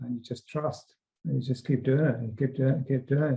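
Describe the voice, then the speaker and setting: Somewhat breathy male speech at medium pitch, fairly quick pace, and fairly even intonation. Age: 60s. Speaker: coaching client, holistic network founder. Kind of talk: testimony. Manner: halting, many fillers.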